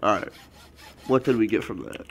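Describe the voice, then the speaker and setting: A man's voice: lowish voice, normal speed, slight background noise. A young man with a congested, stuffy nose from a cold, hosting a casual gameplay video with rambling, filler-heavy commentary. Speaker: let's play host.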